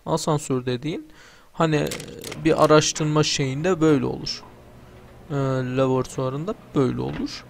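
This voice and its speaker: Brief: young male gamer, rather high voice, jokey and foul-mouthed, faint noise behind. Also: gravelly. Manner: joking, swearing, talks to the game characters. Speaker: gamer playing through a video game. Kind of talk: casual let's-play commentary.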